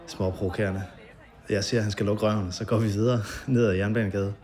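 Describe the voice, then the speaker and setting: A man being interviewed, recounting a memory in a halting way with many fillers and vivid detail. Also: fairly low pitch, fairly even intonation, darkish tone.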